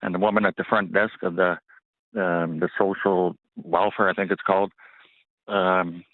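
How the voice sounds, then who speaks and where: Low-voiced man on a tinny phone line. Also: flat delivery, no echo. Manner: halting, emotional, full of restarts. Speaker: caller. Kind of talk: call-in storytelling. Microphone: telephone.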